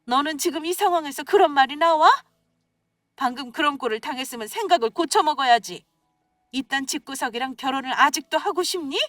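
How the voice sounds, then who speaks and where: A sharp-tongued middle-aged mother, indignant and firm, as a woman reads her. She scolds with raised, clipped lines in a somewhat higher pitch. The recording is dry and a little distant, as in a storybook radio reading. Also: fairly quick, no room sound. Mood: scolding. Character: stern middle-aged mother, angry and protective.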